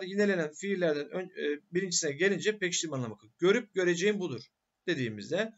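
A man's voice: high voice, highs cut off. A male teacher giving a grammar lecture who asks questions and answers them himself.

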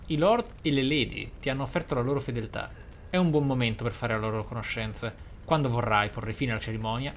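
A man hosts a roleplay let's play in a medium-pitched voice. He is reflective and emphatic, with faint noise and game ambience behind his microphone. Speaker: gaming video host.

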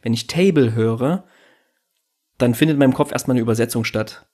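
A man's voice: mid-range voice, a little fast, a little mellow. A man hosting a casual podcast, talking in his native German in a reflective, rambling way with restarts and fillers. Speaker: podcast host.

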